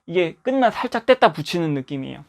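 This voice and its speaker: A man teaching English pronunciation, explaining tongue positions and repeating example words slowly to demonstrate. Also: fairly high pitch, very animated, vocal fry.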